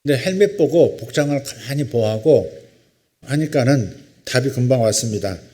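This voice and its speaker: During his sermon, this medium-pitched male preacher first delivers scripture in a slow, solemn reading. Afterward he tells a story in an easygoing, conversational manner.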